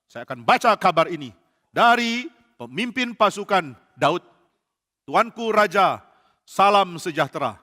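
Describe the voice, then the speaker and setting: A preacher doing a formal royal messenger. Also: male voice, high voice, sharp tone, full character voice. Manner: formal, ceremonial. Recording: church hall reverb.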